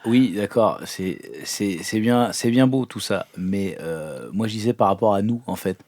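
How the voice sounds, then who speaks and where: A lowish-voiced, blunt male captive in an improvised sci-fi audio story , played by a man. He stammers casually and argues like someone fed up. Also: measured pace, darkish tone, no echo. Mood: annoyed, demanding. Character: disgruntled, blunt male captive displaced from his own time. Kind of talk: improvised roleplay.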